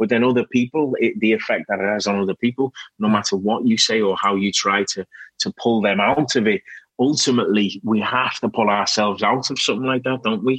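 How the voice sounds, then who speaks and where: An ordinary speaking voice from a man at a medium pitch, fairly quick, with ordinary pitch variation and a dry, close sound with no echo. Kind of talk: casual chat.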